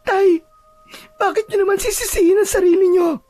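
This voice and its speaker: A woman's voice: very high-pitched, steady tone, moderate pace, mellow, dry recording. A woman playing a distraught, anxious mother in an audio drama, pleading in a tearful, melodramatic way. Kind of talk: Filipino audio drama acting.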